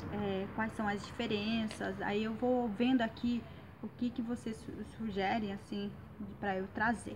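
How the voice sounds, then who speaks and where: A woman talks fairly slowly at a fairly high pitch, her intonation monotone and flat. Noticeable background noise runs under her voice. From Mato Grosso do Sul, Brazil (Guarani Kaiowá, Amambai). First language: Guarani (speaking Portuguese). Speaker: language teacher YouTuber. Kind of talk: language tutorial. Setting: at home. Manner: halting, hesitant.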